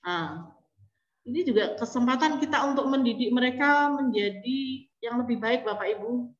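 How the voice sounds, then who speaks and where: A woman's voice: fairly high pitch, animated, moderate pace. Chatty woman lecturing over an echoey call. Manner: chatty, addresses listeners often, acts out quoted students. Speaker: speaker at an online teacher training session. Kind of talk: informal lecture to teachers. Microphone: video call. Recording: echoey online call audio, dull and lo-fi.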